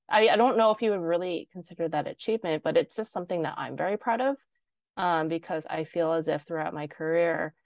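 A young woman with a low voice and a gravelly, fry-laden edge, talking casually as a podcast guest. She fills her sentences with "like" in a relaxed, chatty way. The sound is dry and close. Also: no echo. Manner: chatty, heavy use of "like". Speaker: guest designer. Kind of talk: casual interview chat.

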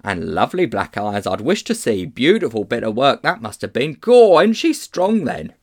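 A man's voice: medium pitch, big pitch swings, normal speed. A man voicing cheeky working-class onlookers in a storybook reading, mocking and colloquial. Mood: cheeky jeering.

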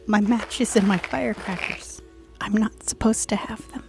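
A woman playing a meek, strange child who speaks with halting, formal politeness in an improvised audio drama. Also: mid-range voice, fairly even intonation, creaky, over music, close to an everyday voice. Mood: innocent, earnest. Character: odd, meek, hollow child named Dirt, eerily polite.

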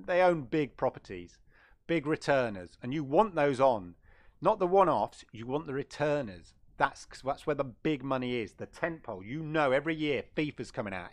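A middle-aged man hosting a casual gaming livestream, chatting loosely and often correcting himself. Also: medium pitch. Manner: rambling, chatty, self-correcting. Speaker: gaming channel host.

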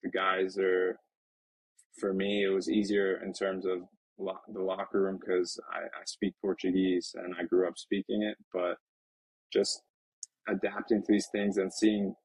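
A man in his twenties, a professional soccer player, talking reflectively in an interview with many halting restarts. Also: sits low, completely flat delivery, darkish tone, breathy edge, no room sound, poor audio. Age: 20s. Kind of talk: casual interview talk. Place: Lisbon.

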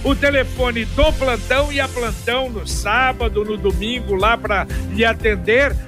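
A man's voice: extremely high pitch, measured pace, over music. A man reading a hard-sell live radio ad as an emphatic salesman. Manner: emphatic salesman, repeats the phone number. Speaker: radio news presenter.

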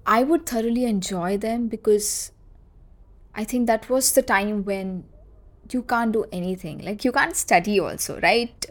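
A woman's voice: mid-range voice, a little slow. A woman in her thirties with a South Asian accent, reminiscing in a casual solo podcast with conversational, emphatic repetition. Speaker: podcast host.

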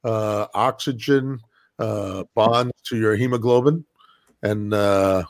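A man's voice: on the low side, fairly even intonation, slow, vocal fry. A man talking as a guest in a casual chat, a blunt storyteller who swears freely and fills his speech with "uh" and restarts. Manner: many fillers and restarts. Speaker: podcast guest.

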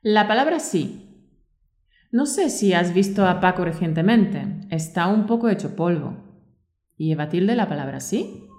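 A woman from with a somewhat low voice, teaching a scripted grammar podcast. She reads example sentences in a clear, friendly tone. The room adds a noticeable echo. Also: lively intonation, a little slow, a little mellow. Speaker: podcast co-host and Spanish teacher. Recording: roomy echo.

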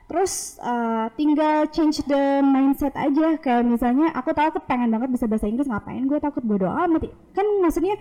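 A woman's voice: sits high, brisk, hardly any pauses, warm tone, poor audio. A young woman chats casually in a valley-girl-like slangy manner, mixing in English fillers and question tags.

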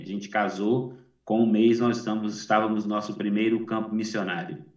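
A middle-aged man from Salvador, Brazil, a missionary pastor speaking in a chatty, warm way with self-deprecating humor. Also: medium pitch, distant mic. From Salvador, Bahia, Brazil. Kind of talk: sermon over video call. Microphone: video call. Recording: dull, echoey video call from afar.

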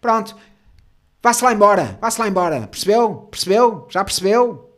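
A man's voice: sits high, lively intonation, rapid-fire, pitched above the performer's own voice. A man with a European Portuguese accent mimicking a curt, dismissive female clerk who snaps at people. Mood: exasperated. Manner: impatient, dismissive, snapping. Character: curt, irritated female public-office clerk.

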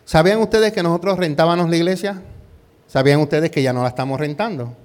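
Male pastor, middle-aged, slightly high voice; conversational sermon full of rhetorical questions and Spanglish asides. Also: fast talker. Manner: peppers talk with rhetorical questions and "¿verdad?"; drops English words into Spanish. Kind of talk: conversational sermon with personal story.

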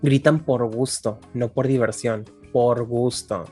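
A woman's voice: a bass voice, steady tone, takes it slowly, dark tone, husky, soft background music. A woman with a Mexican accent telling slangy stories in a casual chat and often laughing, talking over headphones on a remote call. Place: home room, remote call.

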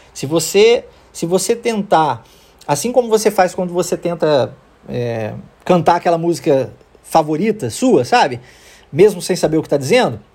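Husky Brazilian man teaching English. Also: high-pitched. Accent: Brazilian Portuguese. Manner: explanatory, checks in with "tá?" and "ok?". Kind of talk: podcast language lesson.

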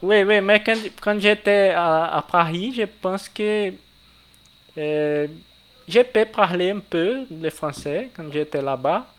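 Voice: medium pitch, slow, fairly bright tone. A podcast host whose native language is Portuguese, hesitant when speaking French and fluent when speaking Portuguese. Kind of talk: podcast hosting, casual interview.

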